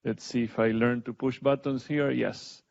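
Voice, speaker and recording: Gravelly man with an Argentine accent. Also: mid-range voice, fairly even intonation, normal speed, a little mellow. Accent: Argentine Spanish. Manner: self-deprecating, conversational. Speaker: panel speaker. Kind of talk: public talk with slides. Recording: dull lo-fi event recording.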